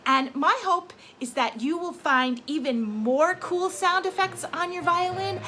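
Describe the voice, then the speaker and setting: A woman violin teacher explaining techniques gently and clearly, and telling a short spooky story with growing emphasis, with violin playing between her phrases. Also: very high-pitched, unhurried, soft background music, poor audio. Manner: storytelling with rising dramatic emphasis. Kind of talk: violin lesson with a told story. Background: violin sound effects between phrases.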